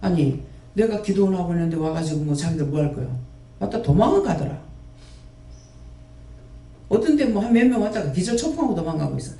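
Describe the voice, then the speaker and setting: Scolding preacher in an echoey hall. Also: male voice, sits high, expressive, brisk, creaky, long pauses, warm tone. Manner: scolding, with many rhetorical questions. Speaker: prayer house director and preacher. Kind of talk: sermon. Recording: roomy echo, mic at a distance.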